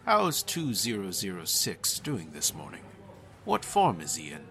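A man's voice: sits low, wildly swooping pitch, measured pace, faint music behind, full character voice. A man voicing a friendly, easygoing senior researcher in a spoken story. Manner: easygoing, warm and playful.

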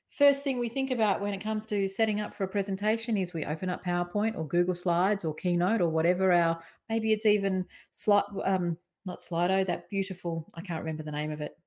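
A woman giving presentation tips in a conversational, expressive way, varying her tone and emphasis. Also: medium pitch. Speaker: presentation coach. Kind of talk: talking-head presentation tips.

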